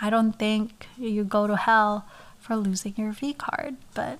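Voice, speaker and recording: A woman with a non-native accent speaks at a fairly slow pace in a fairly high voice. The recording is very clean, with a silent background. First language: not English. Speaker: podcast host. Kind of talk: solo casual chat. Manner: loud; animated.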